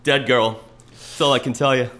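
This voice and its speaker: A man playing a brisk, chatty police officer in a live radio play, recorded in a roomy club with some noise. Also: mid-range voice, fairly even intonation, bright, forceful tone, close to an everyday voice. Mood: brisk, concerned. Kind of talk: live old-time radio play acting.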